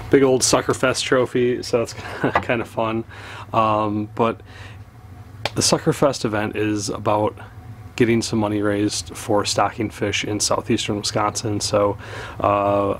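A man in his thirties hosting a casual fishing vlog, talking in a relaxed, rambling way with lots of "uh"s. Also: lowish voice, slight background noise. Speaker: fishing channel host. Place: open boat on a windy lake, outdoors.

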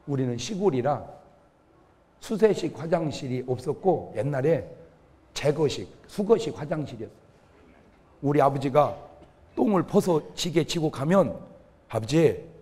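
A male pastor delivering a humorous revival sermon, telling stories and acting out the quotes. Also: medium pitch. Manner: lively storytelling with acted-out quotes. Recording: long reverb of a church hall.

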